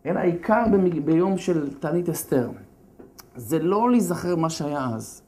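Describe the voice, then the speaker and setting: A religious lecturer retelling a holiday story in a lively, slangy, joking way, then turning to its lesson. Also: male voice, fairly high pitch. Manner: animated, slangy, jokey storytelling. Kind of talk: lively comic Torah talk.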